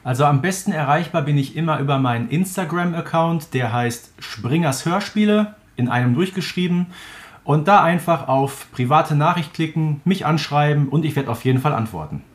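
Higher-pitched man co-hosting a podcast. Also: moderate pace. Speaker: podcast co-host. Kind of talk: casual chat.

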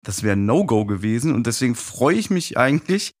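A man with an average-pitched voice speaks in a casual, conversational podcast style. He sounds reflective and a little nostalgic, like a guest sharing his thoughts. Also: sing-song, fairly quick, a little mellow. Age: adult.

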